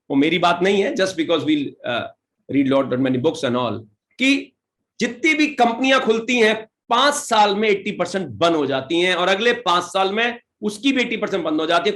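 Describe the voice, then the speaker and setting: Speaking in a high-pitched, fairly bright voice, an Indian English-accented direct selling leader delivers a motivational seminar. His English is slow and deliberate, he breaks into rapid Hindi, and he fires questions to rally his listeners.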